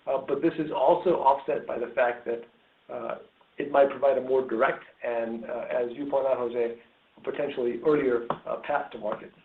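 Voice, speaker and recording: A male executive fields questions on an earnings call, pausing often and filling gaps with ums. His voice comes through a narrow phone-like connection with a noticeable echo of the room. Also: medium pitch, fairly even intonation. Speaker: company executive. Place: conference call.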